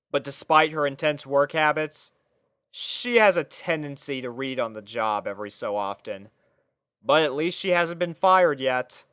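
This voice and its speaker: A man's voice: mid-range voice, a bit bright, smooth, dry recording, clean studio sound. A man reading scripted first-person story narration as the narrator.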